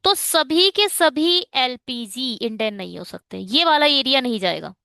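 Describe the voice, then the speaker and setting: A woman's voice: high-pitched, animated, a little slow, gravelly, sharp tone, clear, resonant tone, dry recording, studio quality. A woman teaching reasoning for bank exams in a chatty online lesson, mixing Hindi and English and ranting at exam setters.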